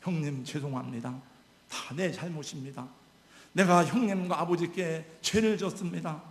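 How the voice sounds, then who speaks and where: A preacher voicing a contrite younger brother confessing. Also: male voice, on the high side, normal speed, roomy sound, natural voice. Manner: contrite, humble. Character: humbled younger brother confessing his wrongs.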